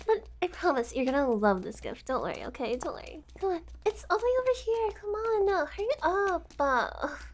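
A woman's voice: high voice, slight background noise. A woman playing a giggly, unhinged young woman kidnapper who teases and whispers asides in a sweetly menacing way. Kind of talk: audio roleplay acting.

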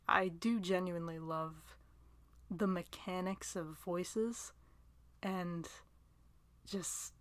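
A young woman talks slowly and unhurriedly into a dry, close recording with no room sound. She rambles through listener questions, laughing often and turning self-deprecating, and her voice sometimes sinks into a soft, near-whispered aside. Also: mid-range voice, no room sound.

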